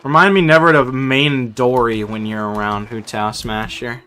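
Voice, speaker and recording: A man's voice: mid-range voice, steady tone, moderate pace, bright, forceful tone, clean tone. A young man chatting casually with viewers while streaming a game, slangy, joking and sweary. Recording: game music faintly behind.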